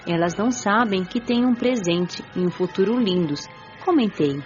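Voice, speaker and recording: A woman playing a gentle, devout young spirit who recounts the afterlife in measured, reflective radio drama narration. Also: medium pitch, muffled recording, lightly acted. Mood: reflective, serene. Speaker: narrator and lead of an audio drama. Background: music.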